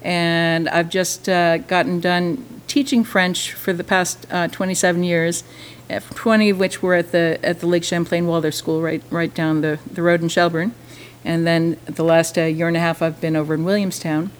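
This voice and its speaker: A woman in her fifties talks warmly about teaching, in a slightly low voice. She is chatty and enthusiastic, pausing with small fillers as she goes. Faint background noise sits under her words. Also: flat delivery. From Vermont, USA. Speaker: musician and French teacher. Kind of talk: casual interview talk.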